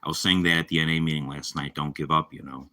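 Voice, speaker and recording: Very deep-voiced man with a cold. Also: steady tone, fast talker, pushed and bright. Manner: rambling, laid-back, lots of fillers. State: slightly raspy from a cold. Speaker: livestreamer. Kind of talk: casual live-stream chat with viewers.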